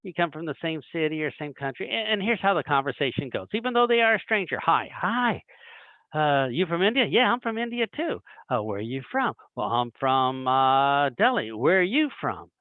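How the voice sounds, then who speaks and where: Lively man on a tinny video call. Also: a little high, moderate pace, dry recording. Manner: animated, acts out little dialogues. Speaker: webinar presenter. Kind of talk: recruiting training talk. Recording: dry tinny phone-like online call audio.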